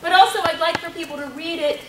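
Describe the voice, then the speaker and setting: A woman on a workshop panel telling how she runs a math circle, with a loud voice and a lively, animated storytelling manner. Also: extremely high pitch, fast. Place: workshop room. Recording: roomy hall sound from a distant mic, noisy.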